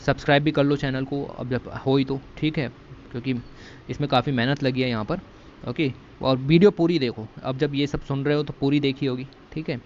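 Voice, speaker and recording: A man's voice: medium pitch, fairly even intonation, a little fast. A man giving a casual exam-prep lecture, chatty and full of "okay" fillers. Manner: chatty, repeats "ठीक है" and "okay" as fillers. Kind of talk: casual lecture walking through a magazine. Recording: slightly dull recording with faint background hiss.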